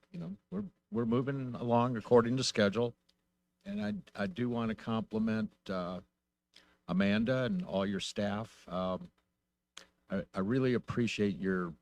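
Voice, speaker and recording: An American man speaking as a council member, giving a meeting report in a halting way with frequent pauses. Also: on the low side, creaky, a little mellow. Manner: halting, pausing delivery.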